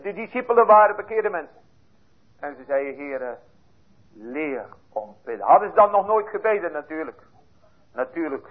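Preacher guy, husky high voice, fervent sermon, sounds like an old tinny tape. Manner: fervent preaching, swings between hushed and loud.

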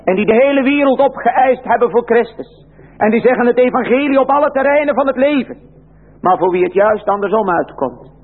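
A man's voice: extremely high pitch, animated, brisk, husky. A man preaching a sermon in an emphatic style, using old biblical phrasing. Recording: tinny lo-fi phone-like recording.

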